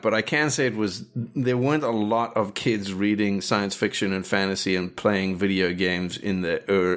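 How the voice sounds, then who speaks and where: A man's voice: lowish voice, a bit bright. A middle-aged man from South Africa, a director talking casually in an interview, rambling with many restarts and fillers. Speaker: guest, director and animator.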